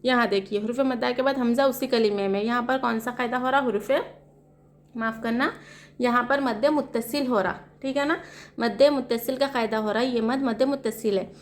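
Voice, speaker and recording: A woman Quran reading teacher with a South Asian Urdu-Hindi accent, slowly spelling out letters and vowel marks and explaining the rules with questions. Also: on the high side, steady tone. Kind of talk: slow spelled-out recitation lesson.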